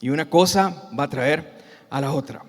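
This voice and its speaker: A man's voice: a little high, normal speed. A man preaching a Sunday sermon as pastor with a Costa Rican Spanish accent, asking the congregation questions and acting out the cries of the people in the story. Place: church hall. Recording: long hall reverb.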